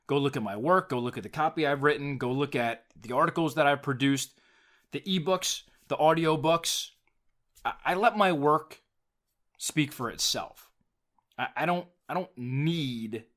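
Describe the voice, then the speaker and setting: A man's voice: medium pitch, a bit bright. A man hosting a solo podcast, talking casually and emphatically about business, often repeating words as he drives a point home. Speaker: podcast host; business coach and writer.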